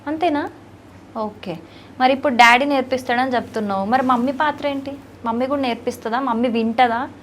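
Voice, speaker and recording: Teasing woman interviewer, high voice. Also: a little fast, a little hiss or hum. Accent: Telugu. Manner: teasing, affectionate, animated questions. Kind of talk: playful interview with a child.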